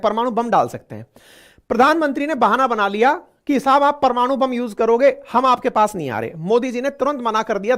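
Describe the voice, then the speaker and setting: A man teaching current affairs in a conversational lecture, repeating his points and speaking straight to the listeners. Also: high voice. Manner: chatty, repeats points, addresses listeners directly.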